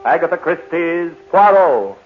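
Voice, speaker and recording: A man's voice: on the high side, expressive, a little slow. An American man announcing a programme in a dramatic old-time radio style. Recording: muffled old radio recording. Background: loud brass music.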